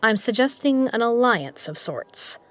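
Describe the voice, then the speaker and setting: A woman playing a shrewd poker legend who runs an underground casino, speaking in a measured, persuasive way in a scripted audio drama. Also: a little high, expressive, no room sound. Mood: resolute, persuasive.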